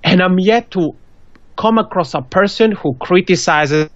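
A man's voice: high voice, unhurried, fairly bright tone, dry recording. A man in his thirties from Switzerland, a non-native English speaker with a Swiss accent, giving earnest advice as a guest on a video call interview. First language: not English. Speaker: podcasting guest. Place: small indoor room. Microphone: studio mic with pop filter on a video call. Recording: dull, dry video call audio.

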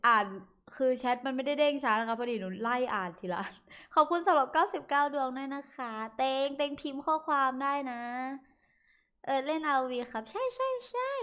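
A young woman chats casually on a livestream, reading viewer comments aloud and thanking them. She is giggly and talkative. Her voice sits fairly high. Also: fairly bright tone. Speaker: livestream host reading chat.

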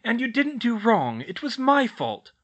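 A man voicing a clever young witch girl in a storybook, brisk, practical and reassuring. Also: high-pitched, animated, a bit bright, muffled recording, voice pushed up. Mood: urgent reassurance.

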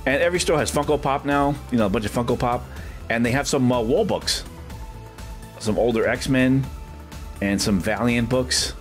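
A man's voice: mid-range voice, moderate pace, faint music behind. A middle-aged man, casually narrating a walking vlog through a small comic shop, rambling with lots of filler words. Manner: chatty, rambling, many "uh" fillers, excited when finding books. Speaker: vlogger touring a comic shop. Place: street, then a small comic shop indoors.

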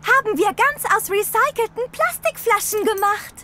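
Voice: extremely high pitch, moderate pace. A performer voicing a confident, eager little girl who gives commands to her pet in a children's cartoon. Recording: loud music behind the voice.

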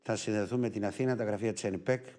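A man's voice: on the low side, steady tone, a little mellow. Greek man hosting a live TV show. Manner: unhurried, with frequent filler pauses. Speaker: TV show host.

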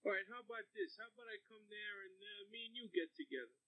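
A man's voice: sits high, fast, sharp tone, no room sound, low-quality recording. A man playing a lewd, pushy newlywed caller who drawls with hesitant fillers. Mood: sleazy.

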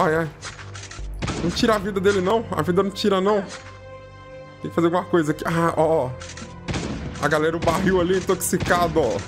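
A man giving casual, excitable commentary as he plays a video game, constantly calling out to his viewers. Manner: chatty, repeats "ó" and "galera" constantly; lively and excitable, jumps in pitch when surprised. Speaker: gaming YouTuber.

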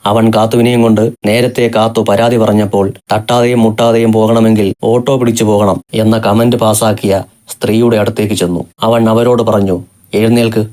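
A man telling a romantic story in steady, measured scripted narration. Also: on the low side.

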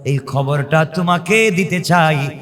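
High-voiced male preacher, long reverb. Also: fairly bright tone. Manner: plaintive, dramatic, repetitive phrasing with drawn-out calls. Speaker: Islamic preacher. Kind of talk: emotive storytelling sermon, chanted in places.

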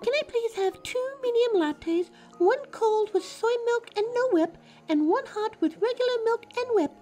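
A woman's voice: very high-pitched, animated, normal speed, warm tone, faint music behind. A woman playing a flustered, distracted coffee shop customer in an audio roleplay. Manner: flustered, scattered.

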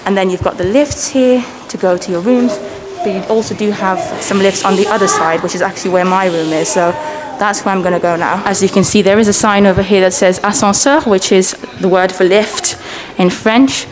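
This is a self-filmed hotel tour by a travel vlogger in her thirties whose native language is Persian. Walking through the lobby and halls, she talks a little fast and barely pauses, chatty and upbeat with lively pitch changes, and her handheld camera picks up noisy sound.

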